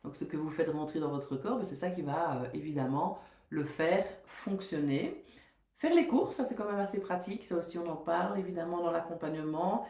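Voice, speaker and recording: Soothing-voiced woman, mellow and roomy. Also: low-pitched, brisk. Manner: loose, conversational, reads passages steadily. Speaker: dietitian. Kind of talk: live online talk with passages read aloud.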